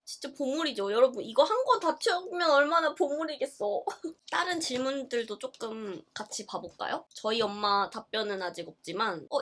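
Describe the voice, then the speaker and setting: Lively high-voiced young woman vlogger. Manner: expressive, gasping and laughing in reaction. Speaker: YouTuber. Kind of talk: casual chat while reading a book aloud.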